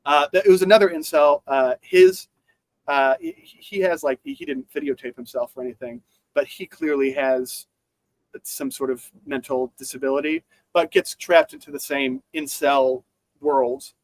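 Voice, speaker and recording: A man chats about the news in a loose, rambling way, stopping and restarting his sentences and filling gaps with "uh" and "like." His voice sits a little high for a man. The sound is dry and close, with no room around it. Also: lively intonation, normal speed, no room sound, low-quality recording. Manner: rambling, many fillers and restarts. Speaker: podcast co-host. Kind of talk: casual news chat.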